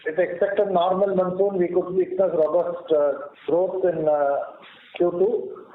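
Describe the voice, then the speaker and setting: A man with an Indian accent, a company executive giving formal, measured prepared remarks on an earnings call, stumbling now and then. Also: high voice, little pitch movement. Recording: muffled, echoey conference call line with noise.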